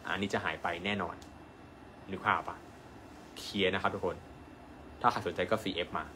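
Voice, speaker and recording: A man, a doctor, giving an animated live-stream sales pitch and asking his viewers rhetorical questions. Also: moderate pace, a little hiss or hum. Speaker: acupuncture doctor selling an online course.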